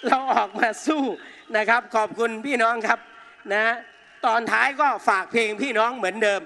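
Man, political rally speech, outdoor stage mic, bright forceful tone, mocking and combative. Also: very high voice, moderate pace. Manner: combative, mocking, addresses the crowd as brothers and sisters. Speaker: protest rally speaker.

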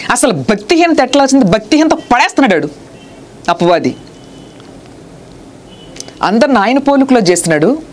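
A woman preacher giving a sermon, fervent, with repeated hallelujahs and rhetorical questions to the congregation. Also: mid-range voice.

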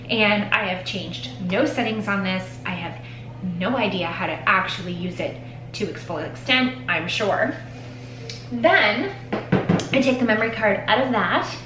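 Talking to the camera in a relaxed vlog, a woman in her forties rambles and teases herself from her home nail studio, where shelves hold her polish. Her voice is a little high, and the recording is low in quality and reverberant.

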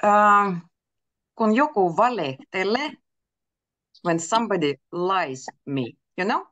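A woman's voice: mid-range voice, lively intonation, a bit bright, no room sound, muffled recording. A woman teaching a beginner Finnish class over a video call, patiently switching between Finnish and English and laughing often. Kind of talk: online language lesson.

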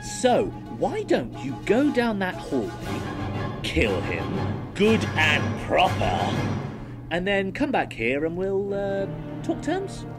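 A villainous renegade Time Lord acted by a man in a sci-fi audio drama. He is mocking and insinuating, savouring words slowly and swooping extravagantly across his range. Music plays behind him. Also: high-pitched, huge pitch swings, heavily acted. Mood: wheedling, cocky.

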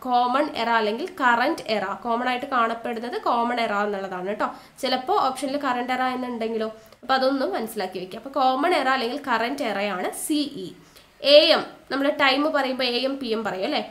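A woman's voice: sits high, fairly bright tone. Malayali woman teaching, repeating key terms. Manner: repeats key terms slowly, asks and answers own questions. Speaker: exam coaching teacher. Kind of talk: recorded exam-prep lesson.

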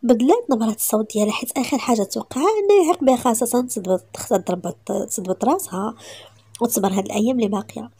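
A woman with a Moroccan accent telling a romance story in a whispered role-play, intimate and rapid. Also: fairly high pitch, animated, mellow, slightly rough, no room sound.

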